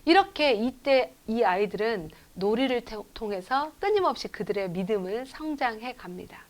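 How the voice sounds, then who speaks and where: A middle-aged woman lectures on raising children in faith, her voice sitting a little high. She tells family stories in a lively way and keeps asking her listeners questions. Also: normal speed. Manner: lively storytelling with rhetorical questions to the audience; acts out children's lines in quotes. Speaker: professor lecturing at a lay school. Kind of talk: church education lecture.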